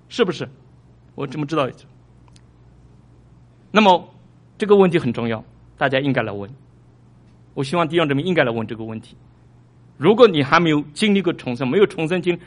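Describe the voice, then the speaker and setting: A male pastor preaching a sermon, animated, surging louder for emphasis and repeating his phrases. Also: a little high. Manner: repeats phrases, small restarts.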